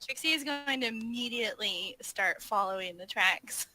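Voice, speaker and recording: A woman's voice: a little high, moderate pace, sharp tone, low-quality recording. A woman playing a tabletop game, casually narrating what her character does in the third person.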